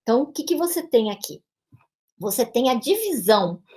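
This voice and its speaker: A woman's voice: on the high side, very animated, normal speed, darkish tone. Female teacher, São Paulo interior accent, explanatory lesson delivery with frequent check-in tags. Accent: São Paulo interior Brazilian Portuguese. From Brazil. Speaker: English teacher. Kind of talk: pronunciation lesson narration.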